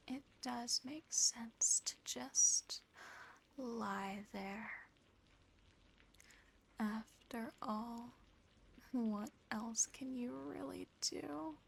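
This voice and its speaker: A woman voicing a teasing, condescending, darkly affectionate female demon in a breathy, close-miked ASMR whisper. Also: on the high side, steady tone, heavily acted, rough recording. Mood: amused condescension. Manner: slow, taunting, lingering over words. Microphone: close ASMR microphone. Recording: faint background noise and ambience.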